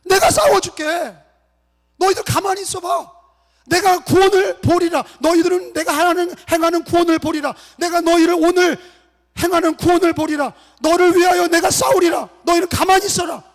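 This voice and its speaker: A man's voice: extremely high pitch, lively intonation, fairly quick, vocal fry, pitched above the performer's own voice, heavily acted. A male pastor voicing God as an exasperated but reassuring father figure, speaking emphatically. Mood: booming promise. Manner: emphatic, scolding then promising, raised and ringing. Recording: long reverb of a church hall.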